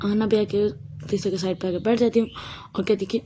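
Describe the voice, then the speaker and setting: A woman's voice: mid-range voice, fairly even intonation, a little fast, background noise. A woman narrating a story in a loose, conversational way, with restarts.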